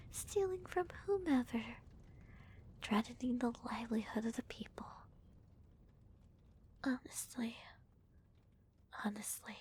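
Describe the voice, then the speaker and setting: A woman playing a smug, theatrical villainess who gloats to her hero in a soft, breathy, deliberate whisper, as an ASMR roleplay. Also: high voice, slight background noise. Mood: bitter, cold. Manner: slow, deliberate, teasing, theatrical.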